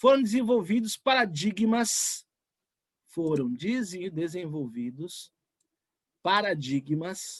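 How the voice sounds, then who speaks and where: Very wide pitch swings mark a man's high voice, with long, frequent pauses at a very slow pace. The recording is very clean, with a silent background. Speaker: teacher. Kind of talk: lecture.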